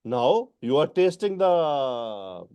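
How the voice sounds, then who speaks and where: A man's voice: mid-range voice, sing-song, extremely slow, warm tone, smooth. A man whose first language is Urdu, with a South Asian accent, teaching Quran grammar in an online class and patiently correcting students. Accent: South Asian English. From Pakistan or India. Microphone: video call.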